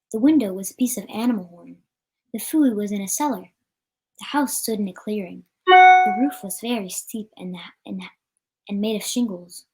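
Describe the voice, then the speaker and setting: A woman's voice: medium pitch, darkish tone, rough recording. A woman reading a children's story aloud as a storyteller, with an occasional stumble over the words.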